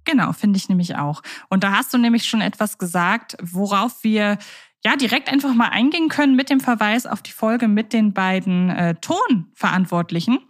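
A woman's voice: mid-range voice, moderate pace, no room sound, clean studio sound. A woman co-hosting a podcast, chatting casually, asking questions with the odd ähm. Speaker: podcast co-host.

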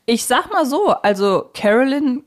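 A woman's voice: sits high, lively intonation, a little slow. A woman with a German accent co-hosting a podcast, casually discussing audio plays in a chatty, conversational way. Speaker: podcast co-host.

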